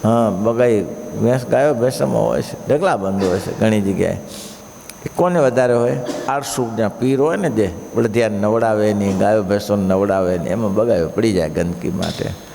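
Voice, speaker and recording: Gravelly preacher in a hall. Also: male voice, lowish voice, moderate pace, slight background noise. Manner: animated, acts out story characters with shouts. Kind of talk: sermon with storytelling. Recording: reverberant hall.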